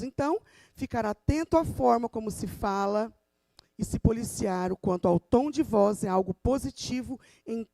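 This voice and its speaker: A woman with a Brazilian Portuguese accent speaks to a congregation in an emphatic, teacherly way. Her voice is hoarse and gravelly with a dark, mellow tone. The sound is dry and close. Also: no room sound. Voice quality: hoarse, low voice. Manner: emphatic, teacherly, addresses the audience. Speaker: teacher giving a talk in church. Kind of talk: church talk on communication.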